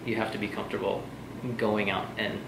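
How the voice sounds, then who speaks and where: A man's voice: lowish voice, flat delivery, a little fast. A young man from Texas with an American accent, chatting casually as a vlog co-host. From Texas, United States. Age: young adult. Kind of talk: casual chat. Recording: echoey room with clear background noise.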